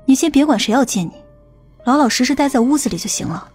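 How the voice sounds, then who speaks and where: A woman's voice: high-pitched, expressive, fast talker, darkish tone, soft background music. A woman playing a stern, impatient police detective in an audiobook drama. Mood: cautioning.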